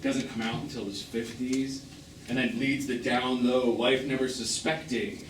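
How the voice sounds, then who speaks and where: A man's voice: mid-range voice, flat delivery, measured pace, far from the mic, close to an everyday voice. An actor playing a bitter, witty middle-aged gay man on stage, with a theatrical, sardonic, wordy manner. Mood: accusing, bitter. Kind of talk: one-act stage play acting. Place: small theatre, live performance. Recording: roomy, noisy theatre recording from afar.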